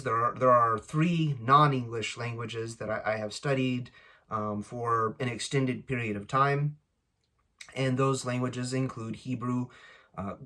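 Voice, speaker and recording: A man speaking casually and unscripted as host of a language-learning channel, often halting as he searches for his words. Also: mid-range voice, sharp tone. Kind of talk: casual unscripted introduction to camera.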